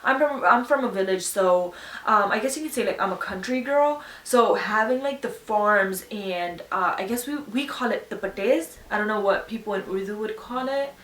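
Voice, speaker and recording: A young Pakistani woman, a YouTuber, answers viewer questions in a casual Q&A chat, earnest and reflective. Her medium-pitched, fairly bright voice moves at normal speed, but she's far from the mic, a bit off-mic in an echoey room.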